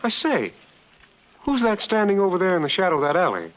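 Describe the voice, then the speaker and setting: A man's voice: sits high, wildly swooping pitch, a little fast. An actor playing a fussy, condescending male ship passenger who mocks his companion, in a 1950s radio drama. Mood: mocking. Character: stuffy, mocking male fellow passenger. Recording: muffled 1950s radio broadcast.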